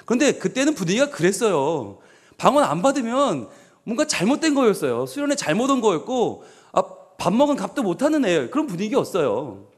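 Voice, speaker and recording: A man's voice: high voice, brisk. A man in his forties, a pastor from the Gyeongsang region, preaching a sermon in a church with personal stories, acting out quoted voices and joking. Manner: animated, jokey, acts out quoted voices.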